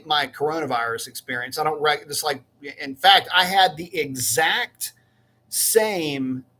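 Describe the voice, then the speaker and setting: A man's voice: fairly high pitch, bright, forceful tone. Rambling, folksy live-stream host, a man. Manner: rambling, self-correcting, folksy. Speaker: livestream host. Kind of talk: casual live-stream chat.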